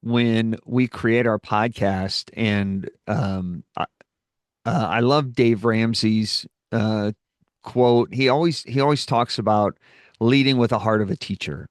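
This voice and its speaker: A man hosting a podcast interview who talks in a relaxed way, with frequent ums and uhs. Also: on the low side, slow pace, no echo, clean studio sound. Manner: relaxed, hesitant with many fillers. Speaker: podcast host.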